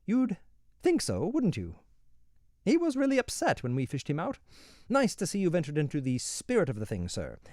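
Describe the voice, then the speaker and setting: A man putting on a cheery, long-winded prison warder, higher voice, bouncing lively pitch, sir after every phrase, dry close sound. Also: normal speed, dry recording. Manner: rambling, deferential, says "sir" constantly. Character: cheerful chatty male prison warder, polite.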